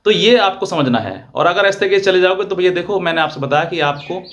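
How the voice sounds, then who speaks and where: A man's voice: sits high, brisk, fairly bright tone, a little hiss or hum. A man, giving earnest legal advice straight to viewers and repeating his points. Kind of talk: direct-to-viewer advice talk.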